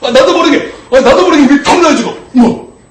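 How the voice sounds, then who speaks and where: A man's voice: extremely high pitch, brisk, recorded from a distance, a little hiss or hum. A man preaching a sermon, telling a story and acting out the exchanges, with frequent rhetorical questions. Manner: animated storyteller, acts out quoted exchanges, asks rhetorical questions. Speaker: pastor. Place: church sanctuary. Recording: roomy church hall, voice off-mic at times.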